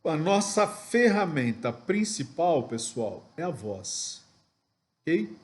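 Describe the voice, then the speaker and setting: A man's voice: a little high, very animated, slow pace, darkish tone. A man teaching a sales training lesson, explaining step by step and checking in with rhetorical questions. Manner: didactic, asks rhetorical questions, frequent "ok?" and "né?".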